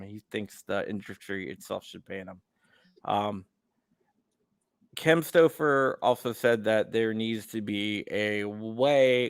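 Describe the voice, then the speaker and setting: A man hosting a casual call-in interview, relaxed and halting, often stammering and restarting. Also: on the low side, clear, resonant tone, no room sound, studio quality. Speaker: host.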